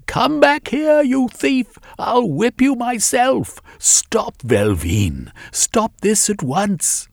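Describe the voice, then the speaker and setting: A man's voice: big pitch swings, very slow, gravelly, hardly any pauses, no room sound, studio quality, heavily acted. A man voicing a furious middle-aged mother who screeches and shrieks at her runaway son. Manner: shrill, shrieking.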